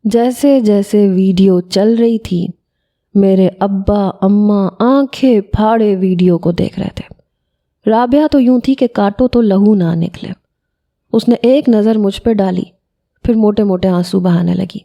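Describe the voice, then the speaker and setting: A woman's voice: medium pitch, warm tone, lo-fi sound. A woman narrating a first-person audio story as a schoolboy.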